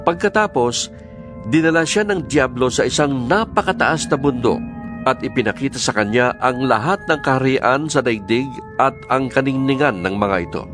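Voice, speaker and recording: A man's voice: medium pitch, normal speed. A man with a Filipino accent narrating a scripted audio Bible. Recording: music under the voice.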